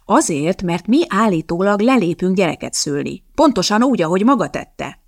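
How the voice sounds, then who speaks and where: A woman's voice: medium pitch, animated, a little mellow, no echo, studio quality. Woman reading as a sneering female personnel officer. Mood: scornful. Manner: mocking, needling.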